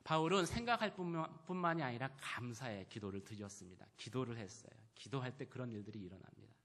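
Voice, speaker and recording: Bright-voiced man preaching a sermon. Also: mid-range voice, expressive, fast talker. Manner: swings between loud declarations and quiet personal storytelling. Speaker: pastor. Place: church sanctuary.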